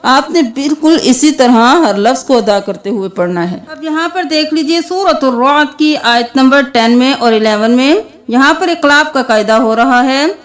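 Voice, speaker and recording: A woman teaching tajweed, chanting Quranic words slowly and spelling them letter by letter with their vowel marks, with an Urdu-speaking South Asian accent. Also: sits high, expressive. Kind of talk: tajweed lesson, slow chanted recitation between quick explanations.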